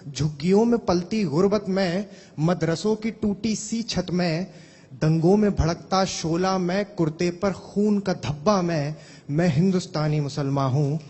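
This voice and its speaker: A man reciting a poem in a rhythmic, measured way. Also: fairly high pitch, darkish tone, slightly rough, long reverb tail. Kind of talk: poetry recitation.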